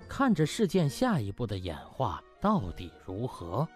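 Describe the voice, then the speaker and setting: Very animated male audiobook narrator. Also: medium pitch, measured pace, soft background music. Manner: theatrical storytelling. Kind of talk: dramatic comic novel narration.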